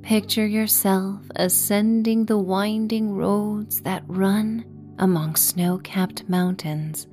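A woman narrating a sleep story and guided meditation softly and gently, with a breathy voice that drifts near a whisper. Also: fairly low pitch. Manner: slow, gentle, measured. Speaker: podcast host and meditation guide.

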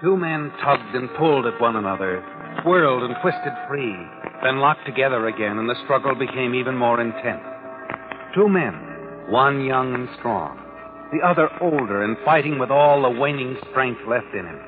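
An actor playing an ominous, all-knowing narrator who taunts in 1940s radio drama style. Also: male voice, mid-range voice, lively intonation, normal speed, narrow, tinny audio, lightly acted. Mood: grim, intense. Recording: band-limited old radio recording, music behind.

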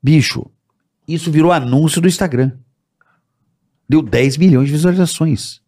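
A man chatting casually and telling a story in a lively, laughing manner. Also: on the high side, moderate pace. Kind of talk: casual chat.

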